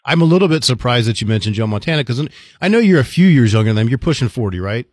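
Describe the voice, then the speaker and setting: A middle-aged man hosting a podcast, chatting casually and gently ribbing his guest. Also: medium pitch, animated, quick pace, no room sound, studio quality. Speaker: podcast host. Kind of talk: casual interview chat.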